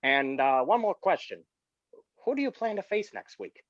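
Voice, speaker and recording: Man as a high-voiced, lively wrestling interviewer. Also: moderate pace, no echo. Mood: polite, inquisitive. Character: wrestling show's backstage interviewer, eager and polite. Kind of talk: staged reading of wrestling promos. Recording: dull lo-fi microphone.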